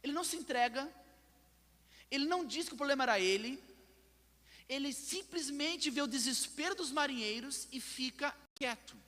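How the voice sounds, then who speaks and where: A man with a Brazilian Portuguese accent preaching a sermon in church as pastor, swinging between loud and hushed and putting pointed questions to the listeners. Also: very high-pitched, lively intonation, moderate pace, in a large hall. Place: church sanctuary.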